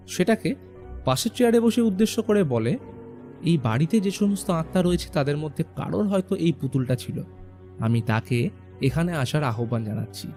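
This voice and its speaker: A man narrating a horror film recap in a hushed, suspenseful storytelling manner. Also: fairly high pitch. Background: faint background music.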